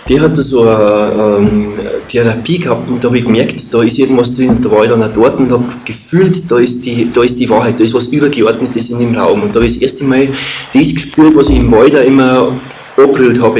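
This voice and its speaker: A muffled recording in an echoey room with clear noise carries a man speaking with an Austrian or Bavarian accent. He is middle-aged and tells his own story in loose, colloquial phrases, often halting and wandering as he goes. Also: mid-range voice, a little mellow. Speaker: speaker telling a personal testimony. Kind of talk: informal personal storytelling.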